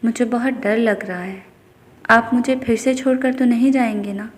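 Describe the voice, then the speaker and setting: A woman's voice: on the high side, big-room sound, close to an everyday voice. A woman voicing a young wife who speaks with trembling, childlike innocence. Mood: fearful.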